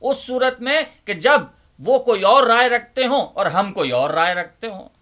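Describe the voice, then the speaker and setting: A man playing a bookish old librarian uncle, giving theatrical, emphatic Urdu-literature readings with deliberate repetition. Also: very high voice, expressive, bright, forceful tone, full character voice. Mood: impassioned. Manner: emphatic, deliberate, repeats phrases rhetorically. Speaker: host, dramatic reader of Urdu literature. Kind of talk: theatrical dramatic reading and monologue.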